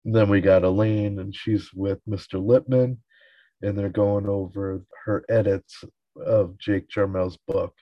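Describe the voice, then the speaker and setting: A man's voice: lowish voice, fairly even intonation, a little slow, no room sound, lo-fi sound. A man casually recapping a sitcom episode in a loose, chuckling way with lots of fillers.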